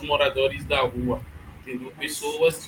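Noticeable background noise sits behind a man. He speaks at a fairly slow pace with ordinary pitch variation. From Benin. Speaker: musician. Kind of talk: casual chat. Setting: studio.

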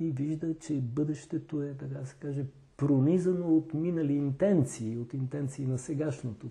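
Fairly slow, somewhat breathy speech from a man with a fairly high pitch, a dark, mellow tone and ordinary pitch variation. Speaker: professor of literature and cultural history. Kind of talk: interview. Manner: halting.

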